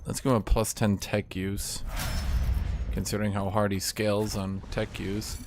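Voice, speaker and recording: A man's voice: on the low side, level tone, normal speed, noisy background. A man streaming a game with casual live commentary, griping and swearing in exasperation. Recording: game music behind the voice. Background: video game music.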